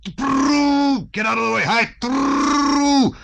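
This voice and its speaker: Man acting a boisterous high-pitched sleigh driver. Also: very animated, brisk, creaky, noisy background. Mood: boisterous shouting. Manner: loud, rollicking. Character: hearty, boisterous Russian troika driver.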